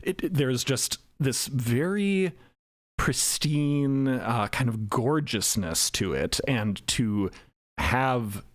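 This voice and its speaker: A man, one of the show's creators, speaking in a measured way and searching for words in a casual roundtable. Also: medium pitch, expressive, no echo, studio quality. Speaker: podcast co-creator.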